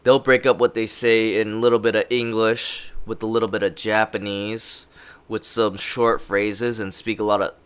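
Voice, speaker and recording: Man, slow halting advice vlog, fillers and restarts, lowish smooth voice. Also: flat delivery. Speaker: vlogger. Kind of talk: casual talking-head advice. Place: lives in Japan. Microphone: interview microphone.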